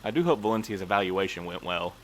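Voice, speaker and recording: A man's voice: low-pitched, lively intonation, fast talker, slight background noise. A man acting in an audio drama as a fussy, earnest postal supervisor who speaks in formal, precise language. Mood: fretful, muttering. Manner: formal, precise, prim wording. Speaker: voice actor in a fiction podcast.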